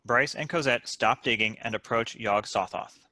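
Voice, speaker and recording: A man narrates screenplay directions in a scripted style. His voice is mid-pitched with a bright, forceful edge, and the sound is close and dry. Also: moderate pace, no echo. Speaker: stage directions reader.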